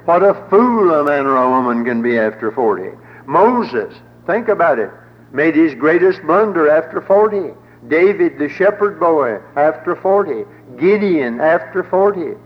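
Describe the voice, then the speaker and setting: A man's voice: fairly high pitch, lively intonation, unhurried. An older man preaching a sermon with a folksy, wry humor and a rolling preacher's cadence. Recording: dull old broadcast in a reverberant hall.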